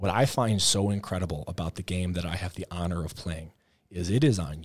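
A man with an American accent and a very deep, low pitch talks at a fairly quick pace with ordinary pitch variation, in a very clean recording with a silent background. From Chicago, US Midwest. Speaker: supplement company founder. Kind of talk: casual chat. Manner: animated.

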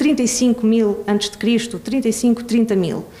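A woman's fairly high-pitched voice amid noticeable background noise. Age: 30s. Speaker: archaeologist. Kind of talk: casual chat.

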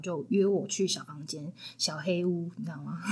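A somewhat breathy voice at a fairly quick pace. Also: woman. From Taiwan, Kaohsiung (south). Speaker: churchgoer sharing faith story. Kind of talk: testimony. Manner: animated.

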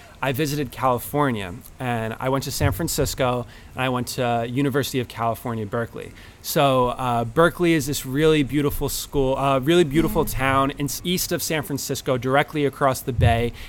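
Talking at a fairly quick pace, a man with a New Jersey accent has a medium pitch and ordinary pitch variation. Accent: New Jersey American. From New Jersey, US. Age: 20s. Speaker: marketer. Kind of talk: casual interview. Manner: hesitant fillers.

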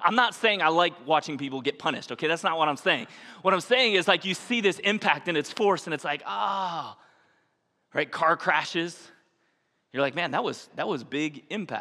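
In a very clean recording with a silent background, a man speaks in a high, bright, sharp voice with an animated tone and lively intonation. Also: moderate pace. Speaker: pastor. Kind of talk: sermon.

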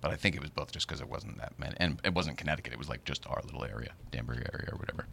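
With a very deep, low pitch, vocal fry and a bright, sharp tone, a man speaks at a very fast pace with lively intonation. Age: 40s. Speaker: podcast host. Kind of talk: casual chat. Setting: studio. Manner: animated.

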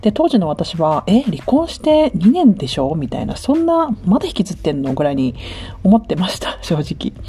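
A woman speaks at a medium pitch with very wide pitch swings. Noticeable background noise is heard. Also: moderate pace. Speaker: solo podcaster on life after divorce. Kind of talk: casual monologue.

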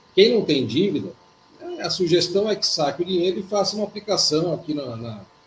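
Through noticeable background noise, a man talks at a high pitch and a moderate pace. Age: 50s. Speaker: HR consultant and speaker. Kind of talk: radio talk show discussion.

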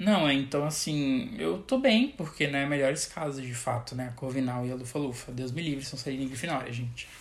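This man's voice sits fairly high, with ordinary pitch variation. He keeps a moderate pace and hardly pauses at all. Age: 20s. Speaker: podcast co-host. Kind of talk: casual chat. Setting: recording in the same room at home.

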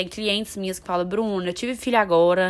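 A woman speaks at a very fast pace. Her intonation is fairly even. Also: very clean recording, silent background. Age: 20s. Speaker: family photographer. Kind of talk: casual interview chat.

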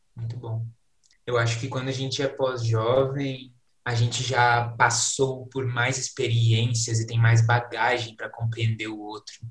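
A man talks at a fairly slow pace in a medium pitch. His voice is somewhat breathy, and his intonation is monotone and flat. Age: 20s. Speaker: entrepreneur. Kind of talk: casual chat.

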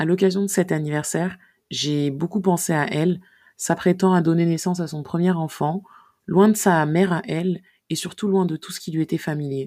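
A woman with a fairly low pitch and a dark, mellow tone speaks at a moderate pace, her intonation fairly even but her loudness swinging widely. The recording is very clean, with a silent background. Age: 30s. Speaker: documentary podcast host. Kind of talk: scripted narration.

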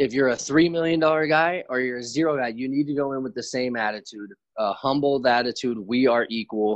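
A man with a medium-pitched voice talks at a fairly quick pace with ordinary pitch variation and hardly any pauses. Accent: American. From California, Santa Monica. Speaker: professional baseball pitcher. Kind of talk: interview. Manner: casual, filler-heavy.

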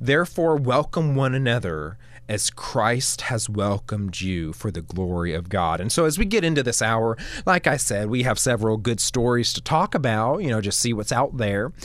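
A normal speaking voice with an American accent, lively intonation and a moderate pace. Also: man, medium pitch for a man. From Maryland / DC / Virginia area. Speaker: radio show fill-in host. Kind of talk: talk radio. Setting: radio studio.

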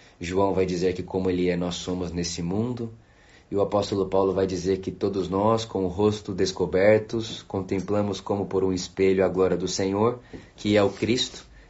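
A man with a very deep, low pitch talks at a moderate pace in a monotone, flat way. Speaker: pastor. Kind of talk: sermon. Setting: live stream. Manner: casual, conversational.

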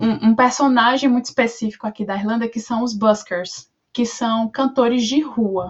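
A woman talks fairly high in pitch, varying it in an ordinary way. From Brazil, interior of Ceará (Crato). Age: 20s. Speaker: international student. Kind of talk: casual interview chat.

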